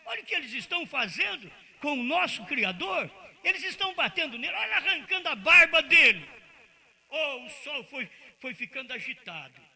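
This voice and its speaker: A man preaching a sermon, swinging from loud declarations to low murmurs. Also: big pitch swings, a little fast.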